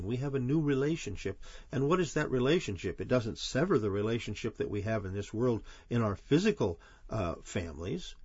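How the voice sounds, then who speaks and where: A man giving a measured Bible teaching, asking questions and then answering them himself. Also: medium pitch, darkish tone, breathy edge, dry recording, lo-fi sound. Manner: measured, explanatory, poses and answers his own questions.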